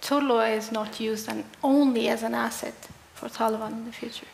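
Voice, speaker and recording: Gravelly-voiced woman moderating questions. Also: a little high, steady tone, moderate pace, a little hiss or hum. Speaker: event moderator.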